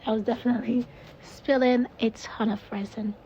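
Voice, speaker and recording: A woman's voice: a little high, flat delivery, normal speed, mellow, highs cut off, slight background noise. A woman with a Jamaican accent casually narrating her own craft video, rambling and laughing at herself. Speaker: resin crafter, video host.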